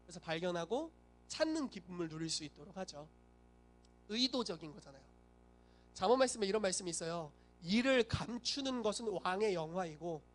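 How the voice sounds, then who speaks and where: A male pastor preaching a sermon, telling the story animatedly and acting out the voices he quotes. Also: sits high.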